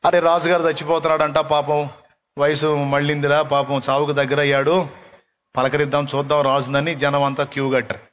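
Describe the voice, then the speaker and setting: Storytelling preacher. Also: male voice, on the high side, brisk. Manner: animated, acts out voices. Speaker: pastor. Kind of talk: sermon storytelling.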